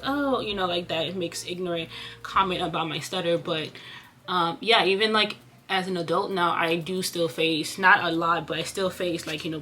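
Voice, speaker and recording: A woman's voice: lowish voice, sharp tone, slight background noise. Earnest young woman who stutters. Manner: stutters, with repeated words and restarts; earnest, reflective, addresses viewers directly. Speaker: vlogger. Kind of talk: candid personal vlog talk.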